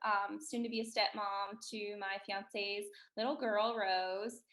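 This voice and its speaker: A woman in her thirties from Missouri with a Midwestern accent, chatting as a podcast guest, laughing often and filling pauses with ums. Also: medium pitch, fairly even intonation, fairly bright tone, reverberant. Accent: Midwestern American. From Missouri, USA. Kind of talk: casual interview chat.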